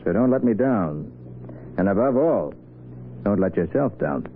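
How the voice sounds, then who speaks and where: A man's voice: fairly low pitch, animated, a little slow. An actor playing a tough, decisive detective in his thirties, speaking firmly in 1940s radio style. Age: 30s. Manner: firm, commanding. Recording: very noisy, tinny old radio recording.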